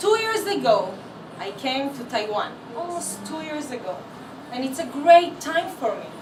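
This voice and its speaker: A woman speaks at a high pitch and fairly slow pace, with very wide pitch swings and big swings in loudness. Audible room echo and noticeable background noise fill the recording. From Israel. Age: 20s. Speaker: public speaking club member. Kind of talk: prepared speech. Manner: halting.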